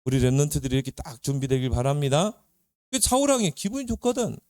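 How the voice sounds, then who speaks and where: A man who is a pastor, giving a lively, conversational sermon to young people and telling Bible stories with questions to his listeners. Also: on the high side, fast talker, no echo, clean studio sound. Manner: lively storytelling, acting out Bible characters. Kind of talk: sermon to youth.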